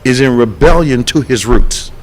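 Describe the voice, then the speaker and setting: A man who pastors a church and hosts a radio talk show, speaking emphatically, restarting words as he builds to sharp indignant peaks. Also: medium pitch, expressive, normal speed, a little hiss or hum. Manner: repeats and restarts words while building a point.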